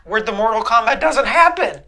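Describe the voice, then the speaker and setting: A man's voice: extremely high pitch, lively intonation, normal speed, sharp tone. A man co-hosting a film discussion show, giving casual, wry and matter-of-fact pop-culture commentary.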